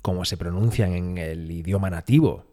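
Spanish man from Spain, lowish mellow voice, podcast co-host, explains and teases. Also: moderate pace. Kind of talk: casual chat. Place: small home studio with some echo.

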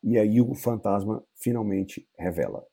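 A man's voice: fairly low pitch, a little slow, vocal fry, dark tone, breathy edge. A man with a Brazilian accent teaching English through a story, chatty and explaining word by word with asides. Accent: Brazilian Portuguese. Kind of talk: casual bilingual literature lesson.

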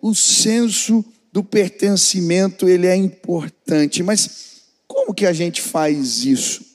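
A man's voice: high voice, slow, darkish tone. A man preaching a conversational sermon as a pastor, telling family anecdotes. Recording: church hall reverb.

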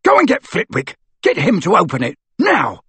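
A man voicing a brutish, crude male henchman who bellows in rough, ungrammatical speech. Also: medium pitch, very animated, a little slow, fairly bright tone, no room sound, full character voice. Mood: bullying.

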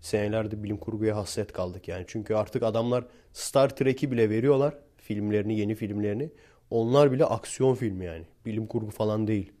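A man's voice: on the low side, mellow. A young man from Turkey talking blunt and slangy to his viewers, chuckling between points as he tells stories. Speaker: vlogger. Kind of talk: casual storytelling monologue to viewers.

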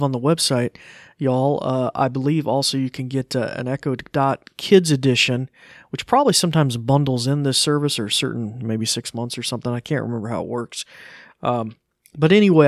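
A man talks through a live product demo at a middling pitch. He is informal and a little hesitant, easily amused, and recorded dry and close. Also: a little fast, no echo. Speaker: tech demonstrator.

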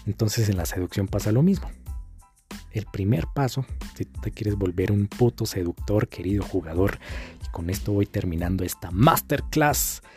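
Brief: male dating coach, low mellow voice, casual and crude, faint music under. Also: expressive, normal speed. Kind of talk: motivational online masterclass.

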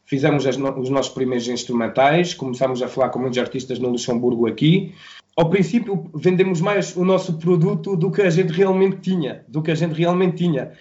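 A man from Belgium speaking Portuguese with a French accent, his first language being French. His voice sits a bit high but sounds mellow and soft-edged. He talks haltingly, restarting words, and the audio is muffled and lo-fi. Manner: halting, restarts words, acts out quoted dialogue. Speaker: music producer guest. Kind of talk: radio interview.

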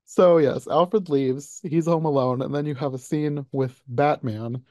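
A man talks through a film in a relaxed podcast chat, breaking into laughter as he recaps. His voice is warm and low in brightness. It is recorded dry and close, with no room sound. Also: a little slow, no room sound. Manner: laughs often while recapping. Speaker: podcast host. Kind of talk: casual film review chat.

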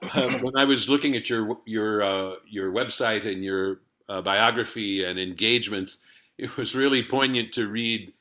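A man hosting an interview, asking measured, courteous questions. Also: on the low side, sharp tone. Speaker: radio interviewer host.

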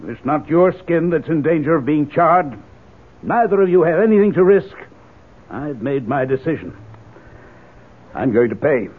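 An actor playing an anxious, stubborn wealthy blackmail victim, curt and firm, in a 1970s radio drama. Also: male voice, fairly high pitch, animated, normal speed, long pauses, natural voice. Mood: curt, resolute. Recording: narrow-band, muffled old radio broadcast.

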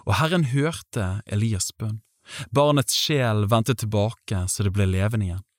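A man reading scripture aloud in a measured, even way, in a scripted audiobook style. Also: on the low side, no room sound, studio quality. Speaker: Bible reader.

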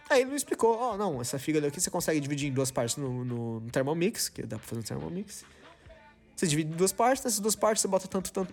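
A young man from Brazil hosts a podcast and tells a work story in loose, slangy talk. He acts out the voices of the people in his story and restarts his sentences a lot. His voice sits a little high for a man, and faint music plays behind him. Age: 20s. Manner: slangy, animated, acts out quoted dialogue with many restarts. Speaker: podcast host. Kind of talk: casual storytelling monologue.

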